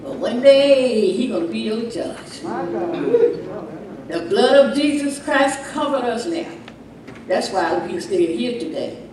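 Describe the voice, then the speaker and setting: A preacher delivers a fiery doomsday sermon, her fairly high, darkish voice animated yet slow and full of pauses as she warns of judgment and hammers points with repetition and rhetorical questions. She sounds distant from the microphone in a very echoey room, with a bit of hiss or hum.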